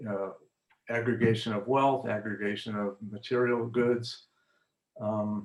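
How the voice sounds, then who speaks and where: With an American accent, a man speaks at a medium pitch in a monotone, flat way. His pace is fairly slow, with long, frequent pauses. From United States. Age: 70s. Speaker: author and psychologist. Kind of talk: interview. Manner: halting.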